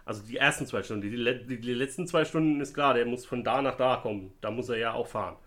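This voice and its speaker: A man with a mid-pitched voice chats casually as a podcast co-host. He is joking and speculative, rambling through his theories. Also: fast, a bit bright. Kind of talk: casual chat about a crime case.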